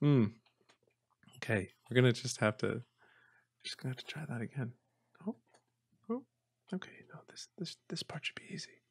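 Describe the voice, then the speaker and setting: With an American accent, a man speaks at a moderate pace, his loudness swinging widely and his intonation lively, his somewhat breathy delivery broken by long, frequent pauses. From Boston, Massachusetts, USA. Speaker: gamer and YouTuber, musician, actor. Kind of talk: casual gameplay commentary to camera.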